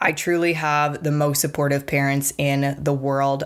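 A woman with a Canadian accent speaks at a very deep, low pitch. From Canada, rural Alberta. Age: 20s. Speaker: podcast host. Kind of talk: casual monologue.

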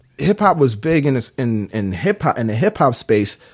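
Here a man talks with a New York accent. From New York, the Bronx. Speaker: music industry creative director. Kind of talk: interview.

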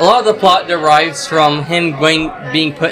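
Noticeable background noise runs under talking that keeps a moderate pace. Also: man. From Iowa, US Midwest. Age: 20s. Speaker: animator. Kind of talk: casual interview. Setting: film festival after party.

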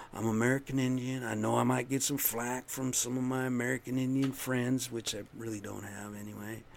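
A man's medium-pitched voice with hardly any pauses. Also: fairly quick pace. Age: 60s. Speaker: podcast host. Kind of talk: casual monologue. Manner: animated.

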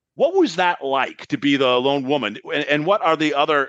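A plain, everyday voice at a moderate pace, with lively intonation. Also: man. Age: 60s. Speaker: podcast host. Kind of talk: interview.

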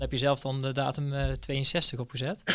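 Against a silent background, this very clean recording captures a man talking. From Netherlands, North Brabant. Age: 30s. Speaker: financial planner. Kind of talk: interview. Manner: halting.

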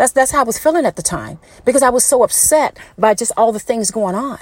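With an American accent, a woman speaks very fast at a fairly high pitch, her tone animated and her intonation lively. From US South. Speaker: podcast host, inspirational speaker. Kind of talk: motivational monologue. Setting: in a car. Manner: loud.

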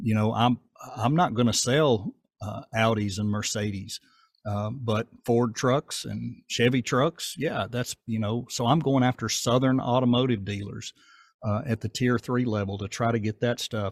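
A man with an American accent talks in a normal speaking voice at medium pitch, moving at a moderate pace. His intonation stays fairly even, and the sound is dry and close with no echo. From US South. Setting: video call.

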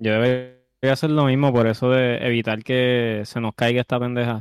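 Here is a man with a plain, everyday voice. His pace is fairly slow and his intonation fairly even. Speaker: podcast host. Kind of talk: casual chat.

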